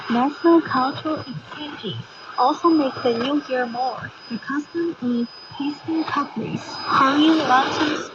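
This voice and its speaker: A woman radio presenter reading a scripted feature, heard over a shortwave broadcast. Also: high-pitched. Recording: muffled shortwave radio, heavy static and noise.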